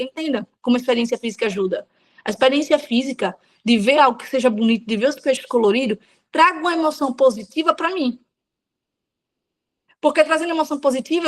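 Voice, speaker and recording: High-voiced woman preaching frankly. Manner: frank, conversational preaching with slang. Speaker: devotional speaker. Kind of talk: informal devotional talk.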